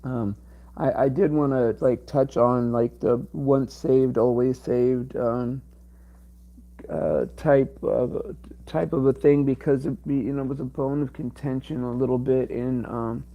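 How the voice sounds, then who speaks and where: A man hosting a livestream in casual chat, his voice strained and cracking, rambling and halting with many fillers. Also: medium pitch, lo-fi sound. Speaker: livestream host.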